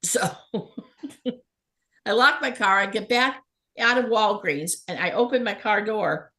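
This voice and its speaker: A woman's voice: mid-range voice, unhurried. A middle-aged woman, a spiritual healer, telling a story in a casual chat with frequent laughter. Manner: animated anecdote-telling, laughs often. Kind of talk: casual storytelling on a talk show.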